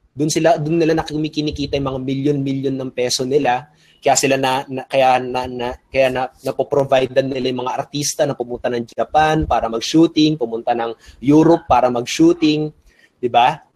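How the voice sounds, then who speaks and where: A Filipino man delivers a high-energy webinar lecture about online business, moving back and forth between Tagalog and English. His voice is medium in pitch with a somewhat dark tone, and he frequently checks in with rhetorical questions.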